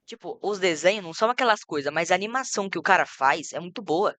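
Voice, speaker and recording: Female Brazilian reactor, fast informal chat, close dry recording. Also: lowish voice, expressive, a bit bright, dry recording.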